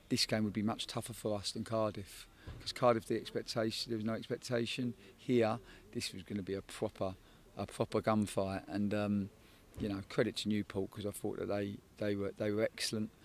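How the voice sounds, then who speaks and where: A man in his forties, a football head coach, giving a measured post-match interview outdoors at a night stadium, often repeating words as he thinks. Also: fairly low pitch, little pitch movement, darkish tone, a little hiss or hum. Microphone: handheld interviewer microphone.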